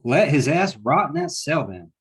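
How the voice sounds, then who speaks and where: A man's voice: on the high side, very animated, moderate pace. A man playing a hard, vengeful small-town lawman in a script read, speaking bluntly and with menace. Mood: angry, defiant. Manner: gruff, blunt, threatening talk.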